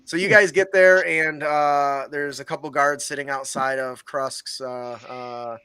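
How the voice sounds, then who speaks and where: A man running a tabletop game as game master, narrating casually with many fillers and pauses. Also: fairly high pitch, steady tone, sharp tone, clean tone, dry recording.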